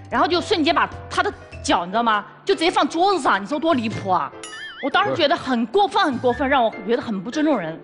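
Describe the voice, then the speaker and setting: On the stage of a TV studio, a young woman appearing as a guest on a dating-conflict show complains indignantly about her partner, talking fast and cutting in on him. Her voice sits high and sounds a bit bright.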